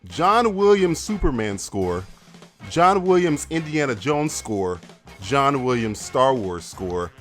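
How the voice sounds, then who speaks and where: A man hosting a podcast in casual, profane banter, excitable and laughing often. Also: medium pitch, slow, soft background music. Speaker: podcast host.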